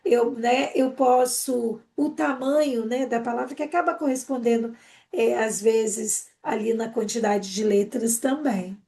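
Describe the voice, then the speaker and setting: Brazilian woman, teacher trainer on a live stream, brisk and animated, slightly high. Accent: Brazilian Portuguese. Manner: quick, animated explaining with frequent "né?" tags.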